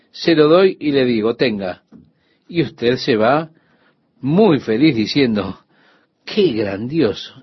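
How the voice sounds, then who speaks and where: A man's voice: mid-range voice, husky, dry recording, dull audio. Older man preaching a radio sermon. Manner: earnest teaching tone, rhetorical questions to the listener. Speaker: pastor.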